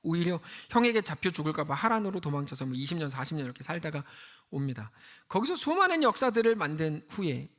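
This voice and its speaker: A male pastor giving a conversational midweek sermon and acting out the people he quotes. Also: fairly high pitch. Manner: lively conversational preaching, acts out quoted voices.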